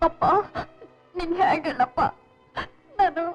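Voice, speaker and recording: A woman's voice: very high-pitched, slow, music in the background, low-quality recording. An actress playing a young wronged daughter, desperate and pleading with her father in tears. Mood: tearful. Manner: tearful, pleading.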